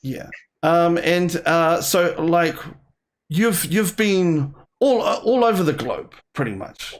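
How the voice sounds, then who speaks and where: A man's voice: fairly high pitch, animated, takes it slowly. A man hosting a casual interview, laid-back and rambling, filling his questions with "like" and "man". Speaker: interview host.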